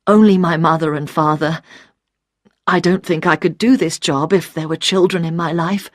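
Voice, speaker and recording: A woman voicing a calm, gentle man in a read-aloud storybook, speaking softly and reassuringly. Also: lowish voice, normal speed, dry recording, studio quality, natural voice. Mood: plain. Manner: soft, reassuring.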